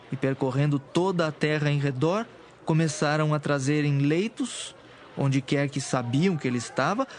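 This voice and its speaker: Higher-pitched man narrating scripture solemnly. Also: slight background noise. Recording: music behind.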